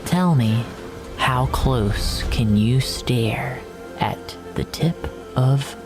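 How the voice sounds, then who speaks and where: An ominous narrator of a surreal horror audio drama, speaks over loud music. The delivery is very slow and menacing, with a mid-range pitch and an unhinged edge.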